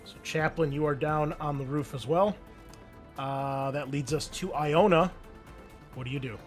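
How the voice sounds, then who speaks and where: A man's voice: fairly high pitch, a little slow. A man running a tabletop roleplaying game as game master, narrating and explaining rules in an encouraging, conversational way. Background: music under the voice.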